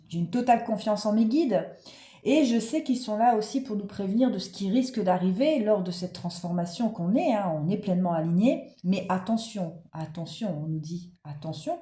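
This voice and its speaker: A woman with a sore throat and a stuffy cold talks her viewers through an oracle card reading, loose and chatty, full of little fillers and asides. Her tone is mellow and soft-edged. The room around her sounds echoey. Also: mid-range voice. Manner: chatty, many fillers, addresses viewers directly. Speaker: spiritual card reader. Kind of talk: casual spiritual reading to viewers.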